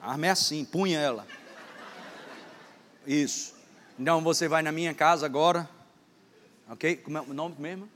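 A man with a slightly high, somewhat bright voice preaches to a congregation at normal speed, pausing often. His playful sermon includes a stage demonstration where he jokes with and teases a volunteer while acting out a lesson. The church hall gives a long reverb with faint background noise.

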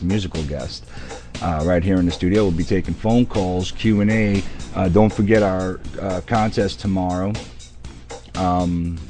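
A man's voice: deep voice, a little mellow. A man hosting a radio show in chatty, folksy DJ patter, speaking directly to his listeners. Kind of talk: radio DJ patter, ad reads and weather.

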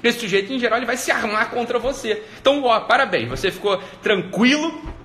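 Man, live-stream host, fast talker, slightly high voice, rambling monologue, faint ambient noise. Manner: rambling, repetitive "né?" tags, animated when retelling. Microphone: streaming mic.

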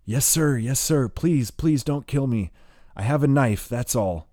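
A man's voice: lowish voice, takes it slowly, mellow, no room sound, studio quality. A man voicing a wounded, frightened teenage boy who pleads for his life. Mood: pleading. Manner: pleading, begging.

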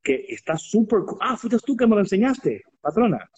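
Presentador juguetón de voz rasposa. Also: male voice, high-pitched, very animated, moderate pace, a little mellow. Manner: playful, teasing, repeats himself. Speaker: podcast co-host. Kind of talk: casual chat, mixes English into Spanish.

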